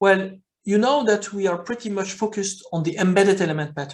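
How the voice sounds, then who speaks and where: A high-pitched man with a Belgian accent, ordinary pitch variation, and audible room echo. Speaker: engineering professor. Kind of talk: lecture. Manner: halting.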